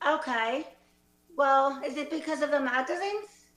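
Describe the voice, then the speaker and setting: A woman's voice: sits high, measured pace, a bit bright. A woman voicing a baffled, defensive Australian former student in improvised comedy, with a put-on Australian accent. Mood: awkward. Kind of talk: improvised comedy stage acting. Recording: roomy, echoey live space.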